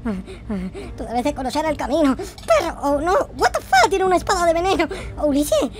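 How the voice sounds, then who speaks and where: Female game streamer, highish and swooping in pitch, dramatic, foul-mouthed roleplay commentary. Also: big pitch swings, brisk. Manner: theatrical, exclamatory, slangy and profane. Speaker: gaming video creator and host. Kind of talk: excitable Minecraft roleplay commentary.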